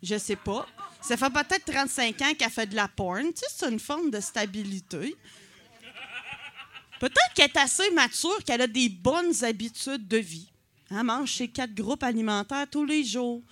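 This stand-up comedian is a woman in her forties from Quebec City, Canada, speaking with a Quebec French accent. At a comedy night she chats and mocks herself with plenty of filler words, in a slightly high, animated, fairly bright voice at normal speed.

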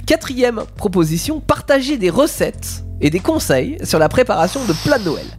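A man's voice: high-pitched, big pitch swings, moderate pace, soft background music. A man hosting a casual panel chat, leading each segment with frequent fillers and restarts. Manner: leads segments, hesitant with fillers. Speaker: host.

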